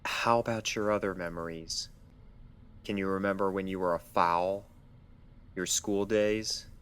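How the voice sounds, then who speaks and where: Man as stiff, deep-voiced male doctor. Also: steady tone, a bit bright, clean tone. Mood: guarded, clinical. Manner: stiff, measured, clinical. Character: stiff, guarded male doctor pony questioning a patient. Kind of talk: dramatized fan fiction reading.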